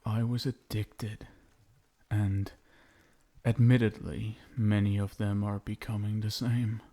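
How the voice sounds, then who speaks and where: Vampire husband, male actor, ASMR roleplay: obsessive and doting with menace underneath, dark mellow tone, gravelly fry, hushed intimate delivery. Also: lowish voice, little pitch movement. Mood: possessive, confessing. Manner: hushed, crooning, lingering pauses, tender pet names. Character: possessive, lovestruck yandere vampire husband, menacing yet doting.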